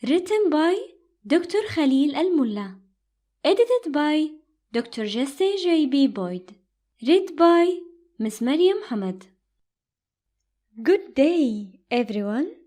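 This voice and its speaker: A woman narrator with a high, lively voice reads a prepared script in an audiobook style. Her tone is soft-edged and mellow, and she enunciates each phrase with measured care. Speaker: voice-over narrator.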